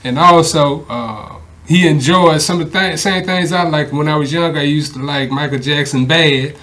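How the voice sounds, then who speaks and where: A man with a moderately high voice hosts a talk show. He chats casually, in the manner of a relaxed interview. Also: normal speed, a little hiss or hum.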